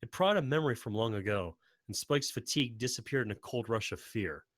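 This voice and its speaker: A man's voice: mid-range voice, expressive, fairly quick, fairly bright tone, dry recording, clean studio sound. A man reading scripted, dramatic fantasy story narration.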